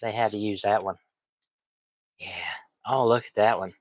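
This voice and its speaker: A man's voice: fairly low pitch, steady tone, measured pace, no room sound. A man with a cold chats in a rambling, folksy way as he shows items to viewers in a casual livestream. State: sniffly, has a cold. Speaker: online reseller streaming.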